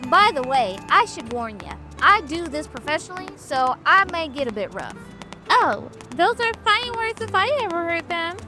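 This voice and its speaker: A very high-voiced young cartoon animal girl, played by a woman, friendly and sassy. Her delivery is bright and animated, full of playful teasing, in an audio drama style. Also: normal speed, faint music behind, exaggerated voice. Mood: teasing, competitive. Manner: playful, expressive banter.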